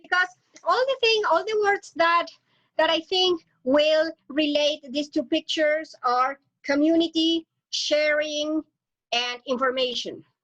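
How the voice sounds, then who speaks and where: Extremely high woman's voice with a Spanish accent, very even in loudness, fairly slow, in a dry, close sound with no echo. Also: lively intonation. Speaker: language teacher trainer. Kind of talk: webinar presentation. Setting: online webinar.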